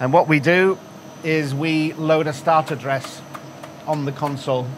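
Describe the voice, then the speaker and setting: Noticeable background noise sits under a man talking fairly slowly with fairly even intonation. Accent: British. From England. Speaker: museum volunteer restoring vintage computers. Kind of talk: machine tour and demonstration. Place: workshop.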